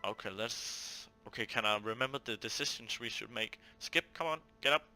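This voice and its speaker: A man giving excited, expressive let's play commentary, full of exclamations. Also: medium pitch, moderate pace. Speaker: let's player.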